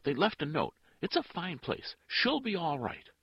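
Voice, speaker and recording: A man's voice: on the high side, sing-song, normal speed, husky, dry recording, muffled recording, voice pushed up, full character voice. A man voicing a frightened mother who pleads urgently and cries out, in an audiobook. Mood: anxious reassurance.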